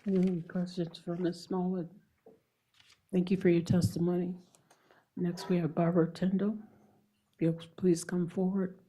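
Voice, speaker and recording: A congested woman chairing a public school board meeting, polite and procedural, with a husky voice. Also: fairly low pitch, flat delivery, normal speed, long pauses, mellow. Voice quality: husky, gravelly voice.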